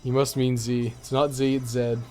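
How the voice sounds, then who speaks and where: A man's voice: mid-range voice, flat delivery, normal speed, darkish tone, faint music behind. A Canadian man chatting casually and irreverently on a video game live stream, rambling and swearing freely.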